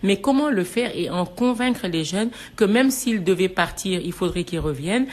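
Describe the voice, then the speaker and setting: A woman's voice: mid-range voice, expressive, normal speed, darkish tone. A woman from Senegal hosting a radio talk show, asking questions with many hesitations and restarts.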